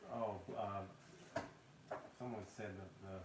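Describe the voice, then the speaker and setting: Low-voiced man, far off in a roomy space. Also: level tone. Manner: reads viewer questions, joking, halting. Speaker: co-host, host's partner. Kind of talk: casual livestream chat. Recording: roomy, distant, clear background noise.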